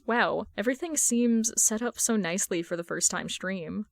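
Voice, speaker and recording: Woman reading as excitable, slangy livestream chat fans. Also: medium pitch, normal speed, vocal fry, no echo, natural voice. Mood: excited. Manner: gushing, slangy. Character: excitable online fans typing in a stream chat.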